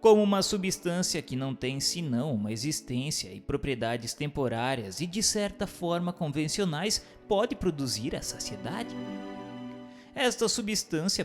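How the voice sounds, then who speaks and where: Man reading formally, with lively intonation. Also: on the high side, normal speed, faint music behind. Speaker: narrator. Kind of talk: scripted dramatized reading of a spiritist book.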